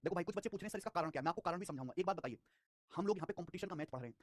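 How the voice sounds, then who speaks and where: Teaching math live online, a young man speaks quickly and energetically, repeating digits and phrases again and again while lecturing students with life advice. He has a high-pitched voice, recorded dry at studio quality.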